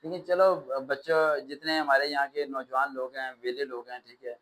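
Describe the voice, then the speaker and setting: A man teaching a test-prep class, lecturing in an animated way with sarcastic, ranting asides. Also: mid-range voice, normal speed, poor audio.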